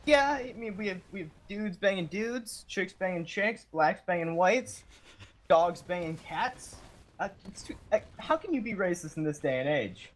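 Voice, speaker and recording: A man's voice: sits high, animated, moderate pace. A young man as a guest in a casual gaming chat, joking along in a laid-back way. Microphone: webcam or headset at home.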